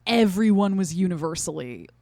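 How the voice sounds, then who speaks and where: A woman with a slightly low voice, recorded close and dry. She talks as a podcast co-host in a loose, conversational review style, agreeable and expressive, working out her thoughts as she speaks. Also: moderate pace, no echo. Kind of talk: casual conversational review chat.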